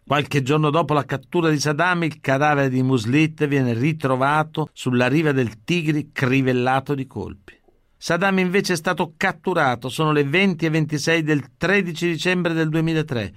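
Male documentary narrator, measured and explanatory, dry studio sound. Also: a little high, a bit bright, no echo. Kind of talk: scripted narration.

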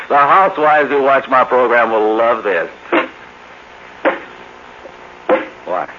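A brash American game show host in a fifties radio drama, with a high voice that leaps all over the place. He is glib, excitable and showy. The old recording is muffled and noisy. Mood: amazed, delighted. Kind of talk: 1950s radio drama acting.

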